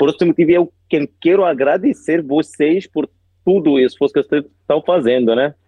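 With an Arabic accent, a man speaks at a fairly high pitch and a very even loudness. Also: ordinary pitch variation, moderate pace. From Egypt. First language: Arabic (speaking Portuguese). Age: 30s. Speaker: language learner. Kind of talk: casual chat.

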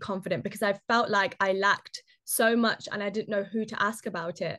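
A woman speaks with a British accent at a fairly high pitch. The background is quiet. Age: 20s. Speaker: content creator. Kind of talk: interview conversation.

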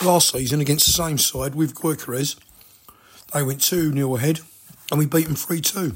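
A man's fairly high voice, somewhat breathy, with fairly even intonation, a moderate pace and long, frequent pauses. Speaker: caller, football fan.

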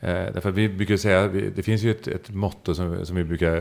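Heard on a very clean recording with a silent background, the voice moves at a moderate pace with ordinary pitch variation. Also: man. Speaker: podcast co-host. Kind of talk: casual chat. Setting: at home.

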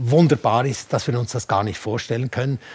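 A somewhat breathy man's voice, dry and close with no echo. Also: very clean recording, silent background. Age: 60s. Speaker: journalist and publisher. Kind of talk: lecture. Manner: hesitant with frequent fillers.

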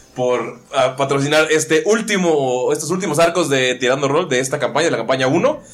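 Talking very fast with lively intonation, a man uses a fairly high pitch. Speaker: podcast host and tabletop role-playing game master. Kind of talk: casual chat and game narration. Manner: animated.

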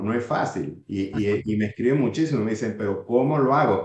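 This man has an unremarkable speaking voice at a medium pitch, moving at a moderate pace with ordinary pitch variation. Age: middle-aged. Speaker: health coach and nutrition scientist. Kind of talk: interview conversation.

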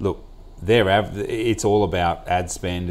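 A man speaks with an Australian accent. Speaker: stockbroker. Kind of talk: market commentary discussion.

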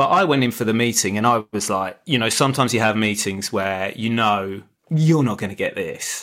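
In a British accent, the voice moves at a fairly quick pace with ordinary pitch variation. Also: man, medium pitch for a man. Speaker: film and TV director. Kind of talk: casual chat. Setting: video call.

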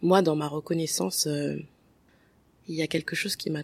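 A woman is speaking. Her pace is moderate. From French Guiana. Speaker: lawyer. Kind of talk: interview.

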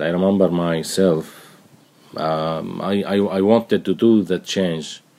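Speaking at a fairly slow pace, a man with an Arabic accent has a fairly low pitch. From Syria, Douma near Damascus. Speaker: refugee. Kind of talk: interview testimony. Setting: remote call from home. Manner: halting.

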